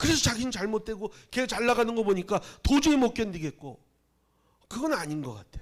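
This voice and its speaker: A man speaks at a moderate pace with an extremely high pitch. His voice makes very wide pitch swings. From Gyeongsang Province, Korea. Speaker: pastor. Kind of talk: sermon. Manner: conversational, animated.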